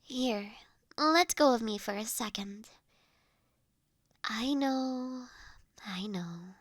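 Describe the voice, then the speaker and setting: A woman playing a gentle, affectionate young mistress in an intimate roleplay audio, speaking softly, reassuringly and a little hesitantly to her automaton companion, sometimes breathily. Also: a little high, drawn-out words, no room sound, studio quality. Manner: tender, reassuring, hesitant, drifting into breathy whispers.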